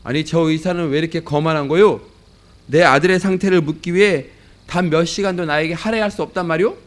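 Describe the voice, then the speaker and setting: A man doing a frantic, furious father, accusing and demanding, a bit higher than usual, storytelling in a sermon. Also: fairly quick, lightly acted. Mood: angry. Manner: shouting accusations. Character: angry frantic father of injured boy.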